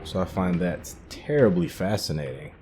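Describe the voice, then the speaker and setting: A man's voice: low-pitched, animated, normal speed, over music. A man hosting a gaming video, giving casual playthrough commentary in a musing, conversational way.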